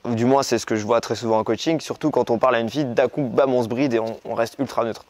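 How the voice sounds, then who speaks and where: Young male coach from Morocco, mid-pitched, animated, plays with pace and emphasis. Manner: lively, expressive, speeds up and slows down for emphasis. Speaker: dating coach. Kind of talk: coaching video lesson.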